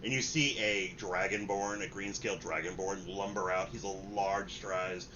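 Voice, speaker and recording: A man working as game master, narrating and chatting informally in a halting, improvised way. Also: deep voice, fairly even intonation. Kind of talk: improvised tabletop game narration and casual chat. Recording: muffled room recording with clear noise.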